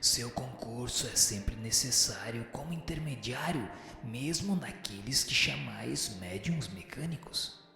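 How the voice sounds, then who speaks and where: An actor playing a wise, solemn male spirit who teaches in a formal, measured radio drama manner. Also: medium pitch, animated, creaky, bright, forceful tone, full character voice. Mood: firm, didactic. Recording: reverberant echoing hall, music underneath. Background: music.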